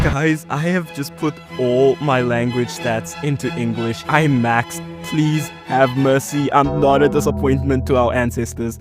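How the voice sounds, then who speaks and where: A young man from South Africa with a white South African accent, telling a storytime in a joking, animated way with big swings in pitch and loudness. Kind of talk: storytime narration.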